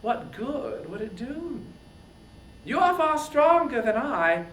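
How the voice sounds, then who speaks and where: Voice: mid-range voice, sing-song, takes it slowly, fairly bright tone, reverberant, a little hiss or hum, pitched above the performer's own voice, poor audio. Performer playing a wily, imperious goddess queen. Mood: indignant.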